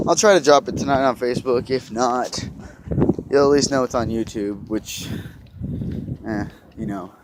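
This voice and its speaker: A man's voice: medium pitch, normal speed, long pauses. A young man vlogging as he walks outdoors along a street, chatting casually in a rambling way with profane, sarcastic asides, filmed on a handheld phone. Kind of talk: casual vlog chat while walking. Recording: loud outdoor noise from traffic. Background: traffic and outdoor sounds.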